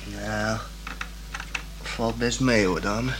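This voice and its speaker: A man's voice: fairly low pitch, drawn-out words. Easygoing young repairman, noisy recording. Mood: placating, laconic. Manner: laconic, colloquial, placating, hesitant. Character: easygoing, unhurried working-class repairman, young, mildly put-upon. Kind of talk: Dutch radio play acting. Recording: noisy, clicking radio play recording.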